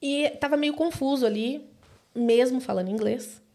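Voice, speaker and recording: Brazilian woman, podcast guest, lively storyteller, slightly high voice. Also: moderate pace. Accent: Brazilian Portuguese. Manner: animated, acts out quoted voices. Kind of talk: casual storytelling interview.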